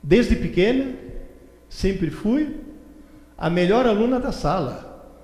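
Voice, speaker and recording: A man's voice: sits high, animated, slow, darkish tone. Older man lecturing in an echoey hall. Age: 70s. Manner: storytelling with mimicked voices and indignant outbursts. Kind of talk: animated lecture to a seminar audience. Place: large hall with a stage. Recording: echoey hall recorded from far off.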